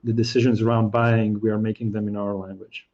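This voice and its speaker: A man's voice: fairly low pitch, little pitch movement, a little fast, a little mellow, dull audio. A man whose first language is Slovak, speaking as a guest in a casual expert discussion and thinking aloud with many restarts. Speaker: guest analyst.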